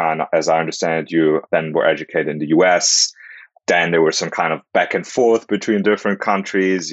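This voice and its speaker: Deep-voiced podcast host asking questions. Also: male voice, no echo, muffled recording. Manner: measured, uses hedges like "kind of". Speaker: interview host.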